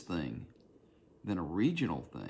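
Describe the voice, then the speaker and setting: A man's very deep, low voice with vocal fry. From northern US, moved to Georgia as a child. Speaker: podcast host. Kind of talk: casual solo podcast monologue. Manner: rambling, hesitant with fillers.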